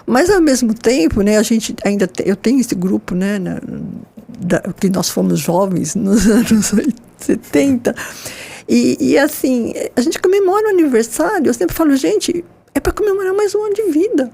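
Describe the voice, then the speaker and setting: An enthusiastic woman in her sixties chats on a panel, her voice pitched a little high yet mellow and dark in tone. She talks expressively, often tagging her sentences with little checks for agreement. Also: normal speed, creaky. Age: 60s. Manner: enthusiastic, expressive, with frequent "né?" tags. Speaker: nurse and guest. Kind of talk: casual panel conversation.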